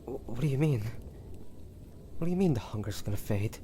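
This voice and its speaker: A man playing a wounded, devoted young demon hunter in an audio drama, speaking in a halting, breathy, pained way. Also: mid-range voice, animated, warm tone, a little hiss or hum, close to an everyday voice. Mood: confused, agonized. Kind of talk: dramatic audio roleplay acting.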